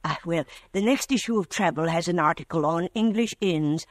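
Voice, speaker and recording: An actor playing a mild, excitable little man, hesitant, polite and apologetic, in 1940s radio drama style. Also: fairly high pitch, normal speed, dry recording, clean studio sound, natural voice. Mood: eager, chatty. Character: fussy, excitable, mild-mannered little man, magazine customer.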